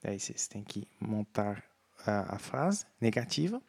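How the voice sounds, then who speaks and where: A man with a Brazilian Portuguese accent, teaching a French lesson and slowly modeling each phrase clearly. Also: fairly low pitch, very animated. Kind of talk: language lesson.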